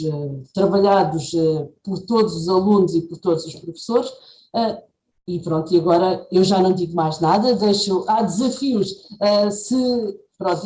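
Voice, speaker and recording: A woman with a mid-range, dark-toned voice talks as an education panelist in a webinar, full of fillers and restarts. The video call audio is echoey, with faint background noise.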